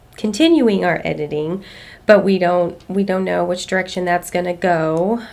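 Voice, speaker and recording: A woman speaks at a fairly slow pace. Her pitch variation is ordinary. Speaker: podcast host. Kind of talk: casual chat.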